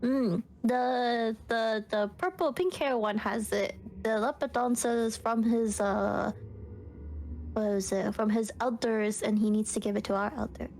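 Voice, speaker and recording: A woman's voice: on the high side, fairly even intonation, unhurried, darkish tone, low-quality recording. A woman playing a tabletop role-playing game, improvising casual dialogue in an informal, hesitant way.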